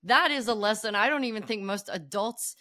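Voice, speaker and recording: A woman's voice: medium pitch, brisk, pushed and bright, no room sound, studio quality. A woman co-hosting a baseball podcast, speaking thoughtfully and measuredly, often checking in with "right?". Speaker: podcast co-host. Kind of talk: casual sports chat.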